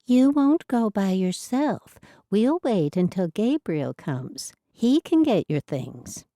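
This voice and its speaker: A woman's voice: medium pitch, sing-song, slow pace, mellow, no room sound, clean studio sound, pitched above the performer's own voice. A woman reading as Eddie, a fussy, protective Amish hostess. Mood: concerned.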